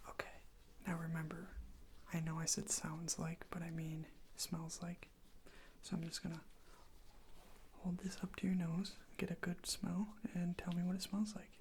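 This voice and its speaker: Breathy whisper, creaky fry, ASMR medical role play, gentle step-by-step instructions, faint background noise. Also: mid-range voice, little pitch movement, normal speed. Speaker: ASMR performer playing a medical examiner.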